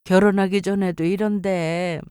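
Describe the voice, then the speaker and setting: Female story narrator, mid-pitched, dark mellow voice, scripted first-person delivery. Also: steady tone, normal speed, smooth, dry recording, clean studio sound.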